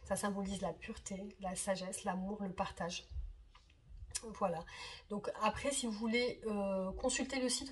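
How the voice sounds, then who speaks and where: A woman in her thirties, slightly hoarse from a cold, chatting to her viewers as a card reader, hesitant with many fillers and repeated words. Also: mid-range voice, slight background noise. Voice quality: husky. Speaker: tarot reader and channel host. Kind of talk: casual direct-to-camera chat.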